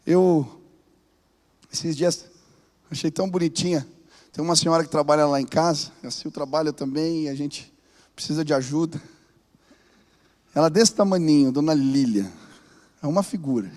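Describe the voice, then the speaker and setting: High-voiced pastor preaching in a hall. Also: male voice, moderate pace, long pauses. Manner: animated, rising to fervent exhortation. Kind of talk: storytelling sermon. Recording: long reverb of a large hall.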